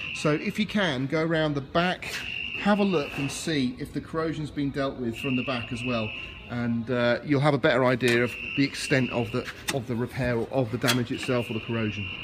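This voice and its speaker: A man talks at a fairly quick pace with ordinary pitch variation. Noticeable background noise can be heard. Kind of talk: tutorial. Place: garage. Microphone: phone near.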